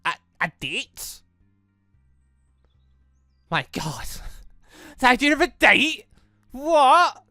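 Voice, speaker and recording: Gamer doing lets play commentary, super animated, bright voice, dry close sound, bit of music under it. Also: high voice, drawn-out words, long pauses, no echo. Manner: animated, exclamatory reactions. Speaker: gaming YouTuber, let's player. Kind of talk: commentary and read-aloud of a visual novel game. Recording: music behind the voice.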